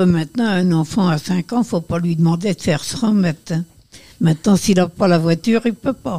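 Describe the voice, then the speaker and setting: Somewhat breathy and dark, mellow in tone, a woman's fairly low voice moves with ordinary pitch variation. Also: moderate pace. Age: 80s+. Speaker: care home resident. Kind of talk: reminiscence. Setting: recording in a care home.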